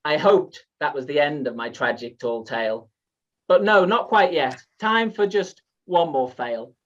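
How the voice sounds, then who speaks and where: British male, animated high voice, theatrical rhyming comic tale, muffled recording. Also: a little slow, far from the mic. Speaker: competition speaker. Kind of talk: rehearsed comic storytelling in rhyme.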